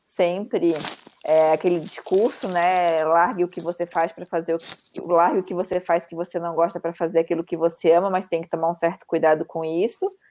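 A woman's fairly low, dark and mellow voice, flat and monotone, at a moderate pace, with a dry, close sound and no echo. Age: 40s. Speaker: podcast co-host. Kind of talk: casual chat.

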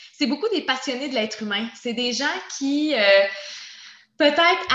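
Pitched high and bright with a sharp edge, a woman's raised, projected voice moves at a moderate pace. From Quebec. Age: 20s. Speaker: human relations coach, entrepreneur. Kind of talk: podcast interview.

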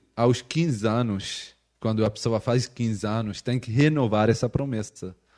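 Ordinary pitch variation in a European Portuguese accent, on a very clean recording with a silent background. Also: man. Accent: European Portuguese-accented, foreign speaker. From Pakistan. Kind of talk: casual interview about religion. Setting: studio.

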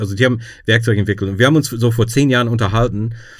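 A man's somewhat breathy, medium-pitched voice at a very fast pace with fairly even intonation, in a very clean recording with a silent background. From USA. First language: English (speaking German). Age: 50s. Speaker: stand-up comedian. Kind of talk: casual chat.

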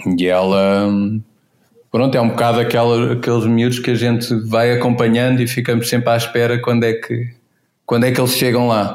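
Speaking in a European Portuguese accent, a man holds a medium pitch at a moderate pace. His intonation is monotone and flat, and his loudness stays very even. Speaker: photographer and videomaker. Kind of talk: casual chat.

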